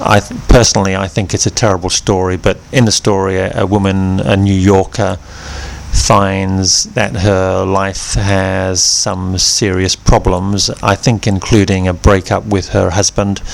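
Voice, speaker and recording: A man speaks at a fairly slow pace with a very deep, low pitch and fairly even intonation. There is noticeable background noise. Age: 60s. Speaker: English teacher. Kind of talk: casual chat.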